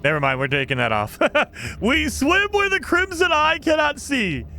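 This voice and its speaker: A man hosting a game commentary, his voice run through a high-pitched chipmunk voice changer, making laughing, flustered asides. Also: huge pitch swings, normal speed, gravelly, sharp tone. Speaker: gaming channel host. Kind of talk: let's-play commentary.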